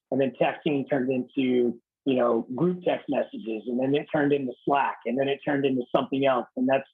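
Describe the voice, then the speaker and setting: A raspy-voiced man in his thirties, a military officer giving a blunt, casual leadership talk over a video call. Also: medium pitch, narrow, tinny audio. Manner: blunt, casual, swears lightly. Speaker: Marine Corps officer speaking to a unit.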